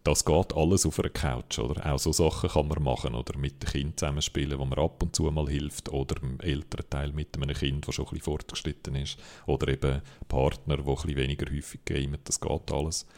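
A man with a Swiss German accent and an extremely low voice talks fast as he co-hosts a casual game podcast. Animated and opinionated, he argues for his picks with plenty of fillers.

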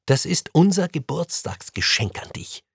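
A man voicing an overjoyed middle-aged mother in a read-aloud story, in a lifted, bright voice. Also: medium pitch, sing-song, moderate pace, breathy edge, no room sound, clean studio sound. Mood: beaming.

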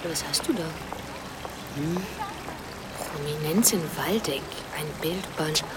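An actress playing an excitable young woman friend in a radio play, gushing and chatty. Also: deep voice, slow pace, very noisy.

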